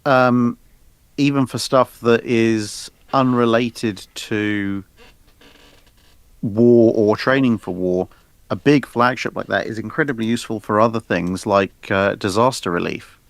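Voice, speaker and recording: A man's voice: lowish voice, fairly even intonation, unhurried, no echo. A man on a livestream panel giving a casual expert explanation, articulate and methodical as he lists points.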